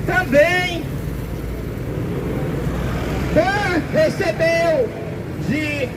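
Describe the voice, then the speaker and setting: A Brazilian man with a Brazilian Portuguese accent preaching a sermon in a slow, deliberate, emphatic way, recorded outdoors. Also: very high-pitched, over a noisy crowd. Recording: outdoor traffic noise behind.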